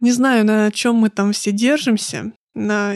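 This woman has an unremarkable speaking voice with a fairly high pitch and fairly even intonation. The sound is dry and close, with no echo. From Russia, Novosibirsk. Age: 30s. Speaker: podcast host. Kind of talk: solo podcast monologue.

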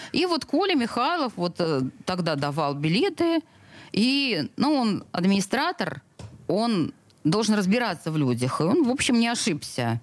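Vocal fry marks this fairly slow delivery, with long, frequent pauses, very wide pitch swings and very even loudness, in a very clean recording with a silent background. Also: woman. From Saint Petersburg (Leningrad). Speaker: journalist. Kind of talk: interview. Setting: radio studio. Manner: halting.

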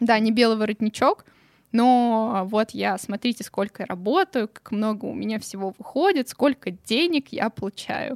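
A woman with a plain, everyday voice speaks at a fairly high pitch, a moderate pace and ordinary pitch variation. The recording is very clean with a silent background and a dry, close sound with no echo. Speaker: sociology graduate, marketing assistant. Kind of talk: casual interview.

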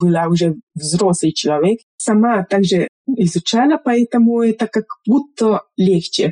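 At a fairly slow pace, a woman with a dark, mellow, somewhat breathy tone speaks at medium pitch with lively intonation, the sound dry and close with no echo. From Hungary. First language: Hungarian (speaking Russian). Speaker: university language teacher. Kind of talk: interview. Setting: video call.

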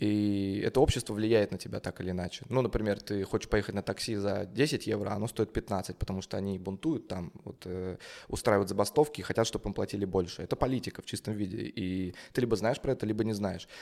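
A man talks fairly quickly in an ordinary speaking voice, his pitch varying in an ordinary way. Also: fairly low pitch for a man. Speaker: guest co-host. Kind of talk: casual chat.

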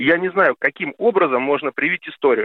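A man speaks in an unremarkable speaking voice. His intonation is lively and his pace fairly quick. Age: 40s. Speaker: radio caller, father. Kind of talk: phone-in call.

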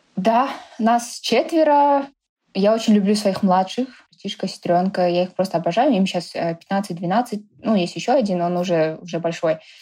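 The woman's tone is dark and mellow, at a medium pitch. She speaks at a moderate pace with lively intonation. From Kyrgyzstan, Bishkek. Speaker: IT developer and entrepreneur. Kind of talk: casual interview.

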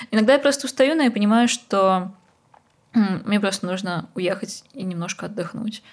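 A woman with a plain, everyday voice speaks at a moderate pace with ordinary pitch variation. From Russia, Bashkortostan. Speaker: beauty blogger. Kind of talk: interview.

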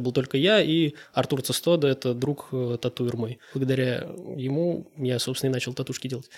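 A man talks with ordinary pitch variation while noticeable background noise carries on. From Russia, Kazan. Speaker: street artist. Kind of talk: casual interview. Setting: artist's studio.

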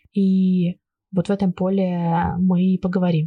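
A woman's somewhat breathy voice carries a dark, mellow tone in a dry, close recording with no echo. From Kazakhstan. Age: 20s. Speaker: podcast co-host, project manager. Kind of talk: casual chat.

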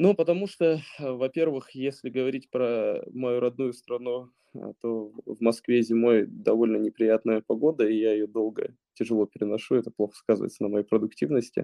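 Man with a plain, everyday voice at medium pitch and a moderate pace, with ordinary pitch variation. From Russia. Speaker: entrepreneur. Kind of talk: interview.

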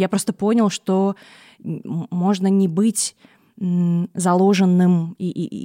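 A woman's dark, mellow voice with fairly even intonation comes through as a dry, close sound with no echo on a very clean recording with a silent background. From Zabaykalsky Krai, Russia. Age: 30s. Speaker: sex educator and psychologist. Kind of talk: casual interview chat.

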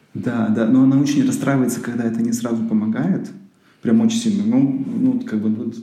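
A man speaks at a moderate pace with a Transcarpathian accent. Noticeable background noise and audible room echo fill the recording. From Carpathians, Transcarpathia (Ukraine/Hungary area). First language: Rusyn (speaking Russian). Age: 30s. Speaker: IT business owner, father. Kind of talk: casual interview. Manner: halting.

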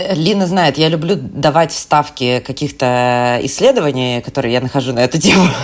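A woman speaks at a moderate pace in a very deep, low voice with lively intonation and very even loudness. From Russia. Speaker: podcast host. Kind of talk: casual chat.

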